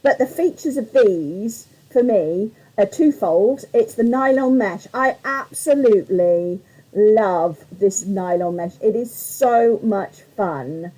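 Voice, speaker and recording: A woman with a slightly croaky voice hosting a live craft tutorial, chatting in a rambling way and greeting viewers by name. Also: mid-range voice, expressive, slow pace, mellow, poor audio.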